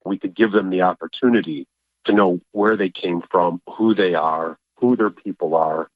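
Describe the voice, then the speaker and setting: A man's voice: low-pitched, normal speed, no echo. Man, restaurant owner, sincere reflective tone, thin phone line. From Chicago. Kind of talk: interview.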